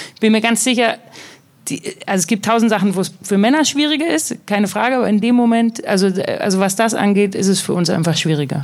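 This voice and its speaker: Her intonation is lively and her pitch medium. The woman talks at a very fast pace. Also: very even loudness. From Bavaria, Freising near Munich. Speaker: film director. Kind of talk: live panel discussion. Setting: stage with audience at film festival.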